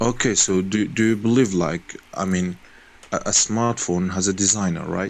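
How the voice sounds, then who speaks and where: Speaking with a non-native accent, a man talks at a moderate pace with fairly even intonation and a fairly low pitch. The recording is very clean, with a silent background. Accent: foreign. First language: not English. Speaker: caller. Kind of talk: debate. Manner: halting.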